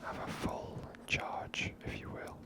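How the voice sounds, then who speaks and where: A woman whispers breathily in a hushed, casual, musing way as she hosts an ASMR video game playthrough. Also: slow pace. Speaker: host of a gameplay series. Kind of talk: ASMR gameplay commentary.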